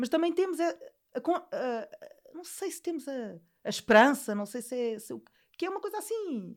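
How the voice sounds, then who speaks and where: A woman talks at a fairly slow pace in a high pitch. Her pitch swings very widely and her loudness shifts in big swings. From Portugal, Azambuja. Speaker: bereaved mother and cancer survivor. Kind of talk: interview, personal testimony.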